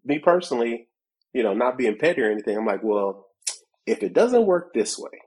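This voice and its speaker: A man's voice: mid-range voice, sing-song, brisk, darkish tone, breathy edge, rough recording. A man co-hosting a tech podcast in casual chat, a bit congested from a cold, who laughs often and acts out both sides of conversations. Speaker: podcast co-host.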